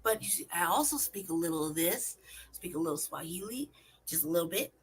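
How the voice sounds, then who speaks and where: Speaking briskly in a fairly low, animated voice, the California woman swears freely and punches her points home, tossing in rhetorical questions. It's a casual vlog monologue on a rough recording with slight hiss or hum.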